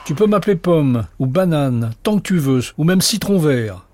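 A man doing an excitable little boy. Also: fairly high pitch, normal speed, voice pushed up, close to an everyday voice. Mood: excited. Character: young boy, cheeky and easily startled.

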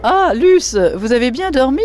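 A woman voicing a pompous, theatrical older society lady in a shrill, affected tone while reading a novel aloud. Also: lively intonation, moderate pace, a little mellow. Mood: affected complaint.

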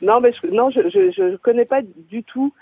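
A woman's voice: a little high, normal speed, breathy edge, no echo. A woman calling in to a radio show, heard over a dull, muffled phone line. She sounds amused and hesitant, and she pads her sentences with fillers and restarts. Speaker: caller.

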